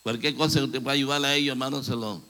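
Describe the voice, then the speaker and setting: A man preaching to his flock, his voice bright and forceful. He calls the crowd brother and sister, and his words ring out with a long echo through the church hall. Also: medium pitch, steady tone, rapid-fire. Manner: fervent preacher addressing congregation as brothers. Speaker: pastor. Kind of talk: church announcements and exhortation.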